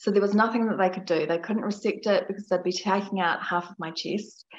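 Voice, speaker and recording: A woman with a New Zealand accent speaks at a medium pitch and keeps her intonation fairly even. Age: 40s. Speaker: cancer survivor. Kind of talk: interview testimony.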